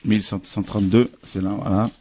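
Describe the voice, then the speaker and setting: A man preaching a sermon as pastor, earnest and halting, with frequent fillers and restarts. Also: lowish voice, level tone, warm tone, husky.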